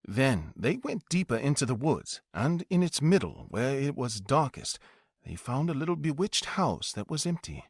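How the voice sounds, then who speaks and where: A man narrating a scripted fairy tale in an expressive, dramatic storytelling manner. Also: mid-range voice, moderate pace, husky, no echo, studio quality. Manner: expressive, dramatic reading with acted dialogue.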